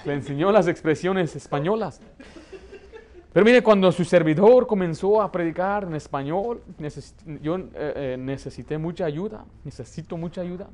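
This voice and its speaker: A man in his thirties who grew up in the United States, preaching a lively sermon from a pulpit with a Mexican Spanish accent. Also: high voice, moderate pace. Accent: Mexican Spanish, learned in the United States. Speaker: pastor. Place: church hall, plain indoor room.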